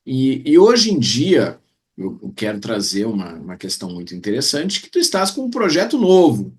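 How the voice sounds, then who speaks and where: A man's voice: mid-range voice, wildly swooping pitch, moderate pace. A man hosting a conversational business interview. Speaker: interviewer, show host.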